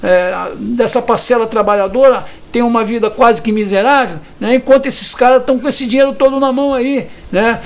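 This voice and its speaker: This resident from Brazil speaks in a very high voice at normal speed, barely pausing, as he indignantly recounts evictions in an interview. The man is in his fifties, tends to close sentences with question tags, and makes hesitant restarts.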